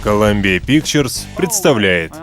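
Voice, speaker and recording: A man performing as a dramatic, deliberate movie trailer announcer for a comedy-horror film. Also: on the low side, animated. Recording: loud music behind the voice. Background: loud trailer music.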